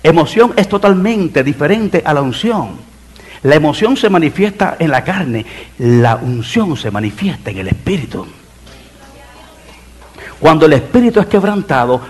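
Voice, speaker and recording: A middle-aged man preaching a sermon in church as pastor, building emphasis and dropping into soft asides. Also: on the high side, slightly rough. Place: church sanctuary.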